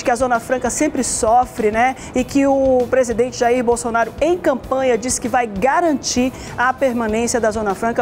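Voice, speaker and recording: Female Brazilian studio news anchor, thirties, high register, conversational and emphatic delivery. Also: a little mellow, slight background noise. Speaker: TV news presenter. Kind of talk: conversational news presenting with commentary.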